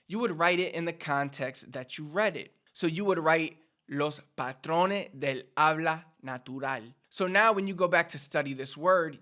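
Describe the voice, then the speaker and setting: An upbeat Spanish teacher from Puerto Rico, with a Puerto Rican accent, instructs viewers directly in a to-camera lesson. His tone is bright and forceful, pitched a little high.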